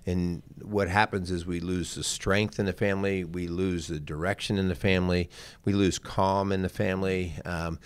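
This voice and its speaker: Deep-voiced American man hosting a radio show. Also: little pitch movement, normal speed, slight background noise. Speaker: co-host of a family radio show and podcast. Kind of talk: casual conversational radio talk. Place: small wood-panelled studio. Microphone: close studio mic on boom arm, with headset.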